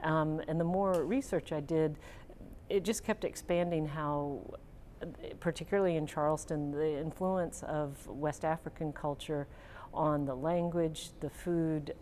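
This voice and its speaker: A woman's voice: low voice, steady tone, takes it slowly, dark tone, a little hiss or hum. A woman speaking reflectively as an author in an interview. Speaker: novelist being interviewed.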